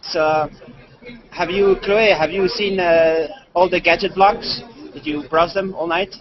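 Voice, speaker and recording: A man's voice: sits high, fairly even intonation, unhurried. A man live-streaming a video blog on his way to a convention, chatting casually with many fillers and restarts. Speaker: video blogger. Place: walking through a busy convention and monorail. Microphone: head-mounted display mic. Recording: dull lo-fi live stream with crowd behind.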